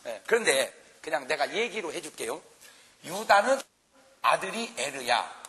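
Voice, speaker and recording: A man's voice: a little high, a little slow. A male pastor preaching a revival sermon to a congregation, joking with them and acting out little scenes as he goes. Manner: animated, jokes and acts out quarrels for the congregation. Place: large church revival meeting. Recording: live hall reverb.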